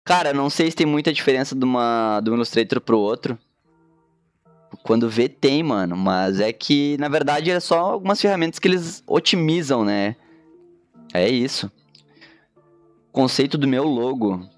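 On a live stream from his indoor home studio, a graphic designer in his thirties from Rio Grande do Sul, Brazil, chats casually while drawing. His gaúcho Brazilian Portuguese is slangy and laid-back, packed with filler tags, in a medium-pitched voice with lively intonation at a moderate pace. He uses a headset mic, there's no room sound, and soft music plays behind him.

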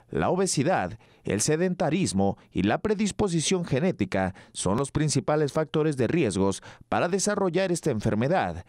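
Lively Mexican male news voice-over. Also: fairly high pitch, no echo, studio quality. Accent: Mexican Spanish. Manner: measured, authoritative newsreader delivery. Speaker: news reporter.

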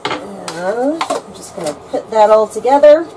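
A woman's voice: mid-range voice, animated, measured pace, mellow, slight background noise, poor audio. A woman in her forties cooking in a motor home kitchen, walking plainly through each step of a recipe. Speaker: home cook. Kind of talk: casual cooking demo. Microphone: camera mic from across the room.

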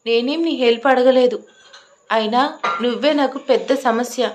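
A woman's voice: fairly high pitch, moderate pace, background noise, natural voice. A woman voicing an angry, defiant young heroine who argues indignantly in an audio love story. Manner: indignant, argumentative.

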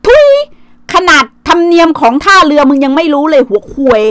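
High-voiced, foul-mouthed woman livestreaming. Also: brisk, a bit bright, no room sound, studio quality. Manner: coarse, swearing, taunting. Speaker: livestream host. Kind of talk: casual livestream rant. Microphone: phone livestream.

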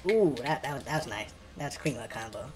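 Noisy mid-pitched African American gaming streamer. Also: expressive, fast. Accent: African American English. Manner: slangy, reactive muttering to self and opponents. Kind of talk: casual live game commentary. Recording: clear background noise with keyboard clicking.

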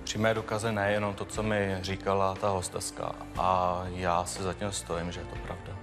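A crude, cocky witness. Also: male voice, low voice, flat delivery, big-room sound, over music. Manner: crude, cocky, laughs at his own remarks. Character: brash male hairdresser witness, crude and smug. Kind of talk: scripted courtroom TV show.

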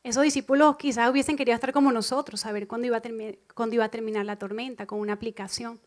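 A woman preaching a sermon to a church congregation, emphatic and expressive, repeating key phrases and acting out inner voices. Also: a little high, very fast. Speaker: church speaker.

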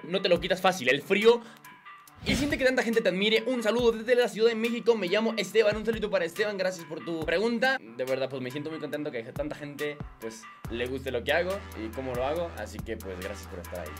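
Twenties Mexican man, YouTuber doing casual viewer Q&A; slightly high pitch, easy slang, faint music under. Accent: Mexican Spanish, with a mixed lilt. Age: 20s. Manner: relaxed slangy chat, swings high and loud reading questions, drops low and soft answering. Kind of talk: casual Q&A chat to camera. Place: small home studio room, indoors. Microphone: studio condenser mic on boom arm.

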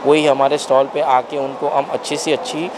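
A man in his thirties, a company director, giving an earnest sales pitch in an interview at a busy indoor property expo, into a handheld mic. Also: flat delivery, normal speed. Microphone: handheld news mic, close. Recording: crowd noise of an expo hall.

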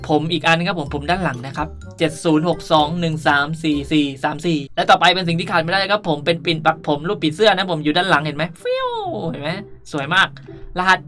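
A man's voice: on the high side, bright, forceful tone. A man hosting a casual game tutorial, chatting politely and often addressing his viewers. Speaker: video creator and host. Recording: music behind the voice. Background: music.

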